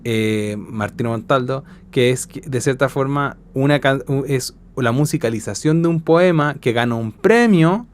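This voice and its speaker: A man's voice: mid-range voice, moderate pace, few pauses. A man with a Chilean accent, a guest musician explaining his thoughts conversationally in a radio interview.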